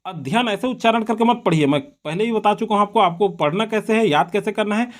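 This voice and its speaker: High-voiced man teaching spelling. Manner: repeats words slowly to drill spelling. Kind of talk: exam-prep lesson on correct spelling.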